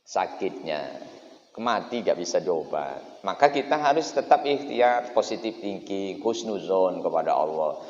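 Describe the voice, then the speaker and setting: A man giving a dawn mosque sermon, telling stories lively with acted voices. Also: sits low, a little slow. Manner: lively storytelling with acted voices and local dialect. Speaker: preacher. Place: mosque hall. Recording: echoey hall, dull lo-fi sound.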